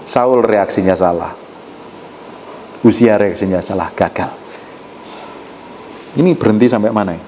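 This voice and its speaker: A male pastor, preaching a sermon and teasing the congregation, swinging between quiet asides and loud outbursts. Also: fairly low pitch, measured pace, long pauses. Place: church hall with a congregation. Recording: echoey hall with faint room noise.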